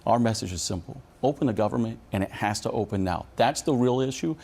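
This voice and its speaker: A man's voice: on the low side, fast, gravelly, dark tone. A middle-aged American man answering news interview questions as a union leader, speaking earnestly and emphatically. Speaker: union leader representing air traffic controllers.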